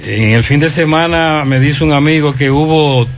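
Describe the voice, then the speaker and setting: This is a Dominican male talk radio host with a somewhat raised pitch. He comments emphatically and repeats phrases for weight, over quiet music. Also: moderate pace.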